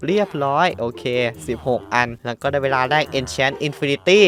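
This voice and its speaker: A man's voice: mid-range voice, unhurried. A man hosting a casual let's-play, narrating his own moves, counting aloud and breaking into startled exclamations and coarse slang. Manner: excitable, yelps and exclaims at surprises, coarse slang. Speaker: gaming channel host.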